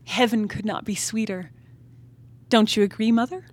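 A woman's voice: medium pitch, fairly even intonation, normal speed, close to an everyday voice. A woman acting a restless, defiant young wife in a dramatic stage play reading, yearning and impassioned. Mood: wistful, resolute. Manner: theatrical, impassioned soliloquy. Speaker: playwright reading her own play.

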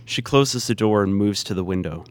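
Low-voiced man reading stage directions. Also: normal speed. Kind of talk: scripted narration.

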